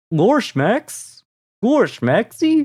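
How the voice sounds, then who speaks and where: A put-on character voice at fairly high pitch with very wide pitch swings. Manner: goofy, cartoonish.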